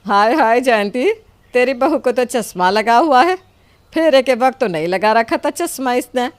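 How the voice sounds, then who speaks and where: A woman's voice: on the high side, lively intonation, moderate pace, close to an everyday voice. A woman playing a nosy, scolding middle-aged neighbour in a story. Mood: shocked.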